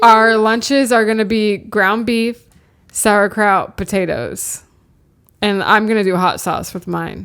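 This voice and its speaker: A woman speaks at a fairly slow pace in a fairly high pitch. Her intonation is monotone and flat. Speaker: podcast co-host, new mother. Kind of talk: casual chat. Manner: sped up.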